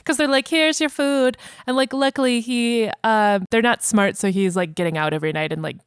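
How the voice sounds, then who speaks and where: A woman's voice: mid-range voice, brisk, clean tone, dry recording, clean studio sound. A woman co-hosting a casual podcast, chatting and reading a story aloud. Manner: chatty, reads narration in a soft even voice.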